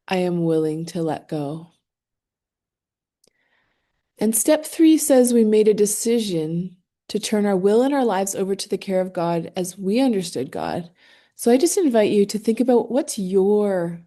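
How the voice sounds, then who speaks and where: A woman leading a guided meditation, speaking gently and soothingly in short phrases with long, unhurried pauses. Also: mid-range voice.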